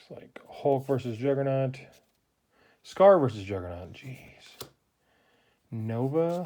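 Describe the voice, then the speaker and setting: Very slow and broken by long, frequent pauses, a man's medium-pitched speech has lively intonation and big swings in loudness. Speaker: trading card collector. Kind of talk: casual unboxing commentary. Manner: mumbling at times.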